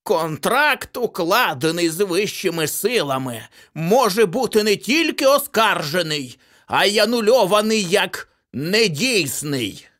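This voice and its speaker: A man voicing a tall, gaunt old accountant who makes measured, legalistic pronouncements. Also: sits high, sing-song, fairly bright tone, pitched above the performer's own voice, heavily acted. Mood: imperious.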